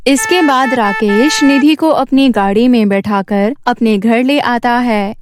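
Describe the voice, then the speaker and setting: A woman's voice: fairly high pitch, a little slow, noisy background. A woman reading scripted narration as the storyteller of a children's moral tale.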